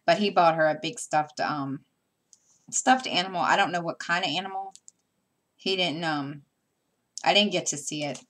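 A woman's voice: lowish voice, normal speed, pauses often, a bit bright. A middle-aged woman chatting casually at home while she stitches, rambling with plenty of fillers and restarts. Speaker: stitching vlogger. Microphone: camera mic.

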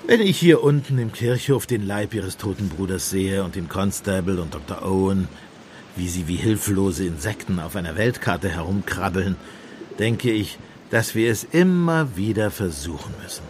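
An actor playing a gentle, shrewd priest-detective in a German radio play, speaking in a musing, deliberate, softly pointed way. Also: male voice, deep voice, animated, slight background noise. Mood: earnest. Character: gentle, shrewd priest-detective, mild-mannered, quietly probing.

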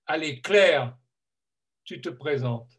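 A man in his fifties hosts a video call from a room at home. He talks slowly, hesitating over his words, and his voice sits a little high for a man. He teases his guests now and then. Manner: hesitant, many fillers, playful teasing. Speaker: host. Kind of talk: casual video call chat.

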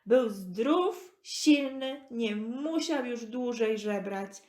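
Female narrator, children's Bible tale: highish voice, very measured pace, expressive, roomy echo. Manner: expressive, deliberate phrasing with pauses. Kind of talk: scripted children's Bible storytelling. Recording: echoey room.

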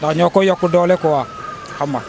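A man's voice: on the high side, moderate pace, gravelly, noisy background. Opinionated young Senegalese man. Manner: steady, opinionated, repeats his point. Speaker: local resident interviewee. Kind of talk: street interview. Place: outdoors by a wall. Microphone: handheld reporter mics held close.

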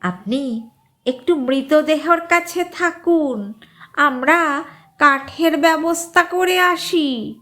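A woman voicing a sly ghostly dead man with a shrill, cracked voice, speaking slowly and eerily. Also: a bit bright, exaggerated voice. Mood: eerie. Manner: slow, eerie, gloating delivery.

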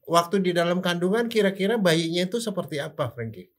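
An older man, a forensic doctor, explaining in casual chat with rhetorical questions and animated sound effects. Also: high voice, quick pace.

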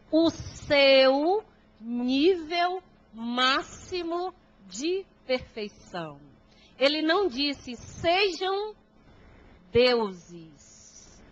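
A Brazilian woman with a Brazilian Portuguese accent gives a gospel lecture to an audience in a large auditorium, speaking into a handheld microphone. She talks emphatically and often puts rhetorical questions to the listeners. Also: high voice. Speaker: spiritist lecturer. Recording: dull lo-fi hall recording.

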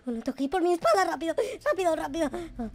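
A very high, whiny voice of a naive noob boy, put on by a man for a video game roleplay. He is panicky and exclamatory, repeating his words frantically as he reacts to a zombie apocalypse world. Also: expressive, rapid-fire. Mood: panicked, frantic. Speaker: gameplay video creator. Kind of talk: improvised Minecraft roleplay commentary.

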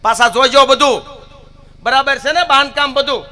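A man's voice: very high voice, steady tone, moderate pace, bright, forceful tone, pitched above the performer's own voice, exaggerated voice. A man voicing a fussy middle-aged wife who keeps calling her husband back and scolding him. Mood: nagging.

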